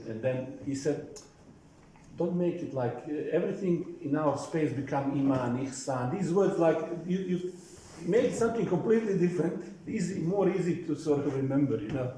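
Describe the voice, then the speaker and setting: A man, a company CEO, answering audience questions at a forum, halting and full of fillers and restarts. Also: medium pitch, warm tone, a little hiss or hum. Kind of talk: panel Q&A answer. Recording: very echoey hall.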